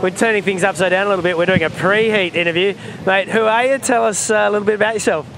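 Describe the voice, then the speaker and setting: A man's voice: high voice, quick pace, noisy background. A man doing a casual beachside interview, asking friendly, upbeat questions.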